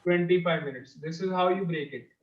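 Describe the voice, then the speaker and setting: A man's voice: high-pitched, brisk. A male maths teacher with a South Asian accent explains step by step to pupils, repeating his phrases. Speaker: mathematics teacher. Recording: dull, echoey lo-fi class audio.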